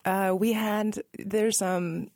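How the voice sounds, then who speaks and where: A woman musician in her thirties from Northern Virginia, USA, reminisces very slowly during a relaxed studio interview. Her low voice carries a gravelly fry, a mellow, steady tone, and close, dry sound. Thoughtful and self-correcting, she often stops to rephrase and laughs softly now and then.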